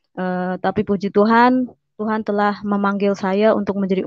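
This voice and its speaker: This is a normal speaking voice at a moderate pace. Its intonation is fairly even. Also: woman. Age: 40s. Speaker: convert giving testimony. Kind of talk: testimony.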